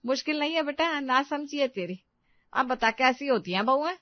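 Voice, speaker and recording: A strict middle-aged mother-in-law, played by a woman in a cartoon story. She scolds and lays down rules in a fairly high voice. The recording is dry and slightly dull. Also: expressive, normal speed, no echo. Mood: scolding. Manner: scolding, commanding. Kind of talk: Hindi cartoon story voice acting.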